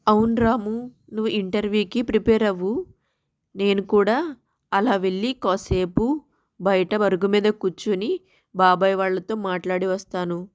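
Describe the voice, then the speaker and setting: A woman voicing a good-humoured, easygoing village husband and elder brother in a moral story, gently teasing. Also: medium pitch, steady tone, normal speed, long pauses, no echo, clean studio sound, voice pushed down, close to an everyday voice.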